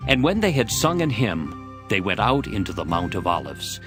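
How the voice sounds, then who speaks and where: Casting: man to narrate dramatized scripture, lowish voice, very varied intonation, over music. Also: very animated, moderate pace. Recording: music behind the voice. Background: background music.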